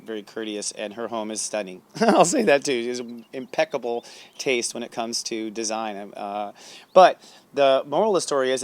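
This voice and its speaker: A man's voice: medium pitch, clean tone. A man hosting his own astrology show, telling a rambling personal story with many fillers and restarts. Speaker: astrology host and psychic reader. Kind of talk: casual storytelling monologue. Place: outdoors, plane heard overhead.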